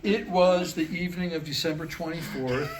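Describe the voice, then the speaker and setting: A man's voice: a little high, normal speed, crowd noise. A man telling Jewish jokes to a small live gathering as a storyteller, acting out the dialogue. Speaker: joke teller at a staged script reading. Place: live staged reading in a room. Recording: noisy live room recording.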